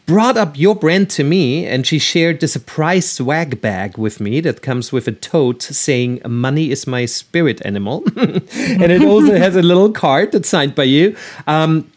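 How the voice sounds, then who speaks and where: A man's voice: on the high side, lively intonation, a little slow. Enthusiastic male podcast host from Austria. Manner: enthusiastic, many fillers and restarts. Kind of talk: interview podcast.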